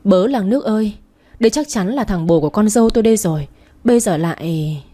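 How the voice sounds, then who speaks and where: A woman voicing a scolding middle-aged female swindler who shouts accusations fast. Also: medium pitch, expressive, natural voice. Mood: accusing.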